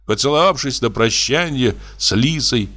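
A man narrating a classic story in an expressive, dramatic audiobook reading. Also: medium pitch, moderate pace.

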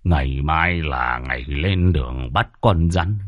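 A cringing, scheming old servant, as a male storyteller puts him on, who begs and stammers in slow, low tones. The sound is dry and close. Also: no echo, lo-fi sound.

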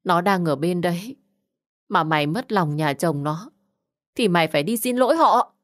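Woman voicing a furious shouting middle-aged mother for an audio story, shrill and cutting, fairly low voice. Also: expressive, normal speed, lightly acted. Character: harsh scolding middle-aged mother, quick-tempered.

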